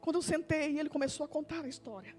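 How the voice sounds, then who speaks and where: A Brazilian woman pastor preaches in a church, her voice sitting very high. She drops into hushed storytelling, then rises into loud, slow scripture reading. Soft music plays faintly behind her. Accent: Brazilian Portuguese. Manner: swings between quiet storytelling and loud, drawn-out scripture reading. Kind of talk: sermon.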